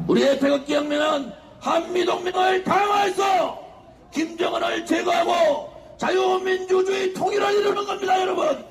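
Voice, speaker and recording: A man giving a fiery shouted speech at an outdoor political rally, chanting slogans to the crowd. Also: very high-pitched, vocal fry. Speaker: rally speaker. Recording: echoey outdoor PA with crowd noise.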